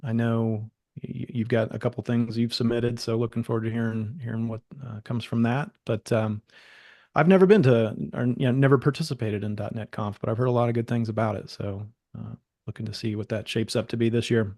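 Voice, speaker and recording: Male host for a tech fireside chat; informal, meandering, mid-pitched, very little room sound. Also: fairly even intonation, fairly quick, a little mellow, dry recording, studio quality. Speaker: webinar host. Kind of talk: casual fireside chat interview.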